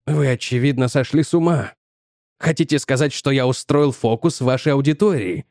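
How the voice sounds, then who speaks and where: A calm young male scientist, coolly dismissive and politely evasive, speaking with even composure, as a male audiobook narrator reads him. The sound is dry and close to the mic. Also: medium pitch, moderate pace, no echo, natural voice.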